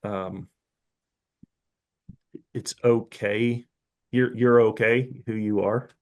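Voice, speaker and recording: A man in his fifties with a somewhat low voice speaks as a podcast guest. He is candid and loose, circling his point with asides and self-corrections. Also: steady tone, very slow. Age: 50s. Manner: frank, rambling, candid. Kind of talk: casual interview talk.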